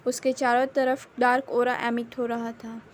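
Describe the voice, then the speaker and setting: Female story narrator, high pitch, steady plain telling, faint noise behind. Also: measured pace. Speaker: fan fiction narrator. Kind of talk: narrating her own fan fiction.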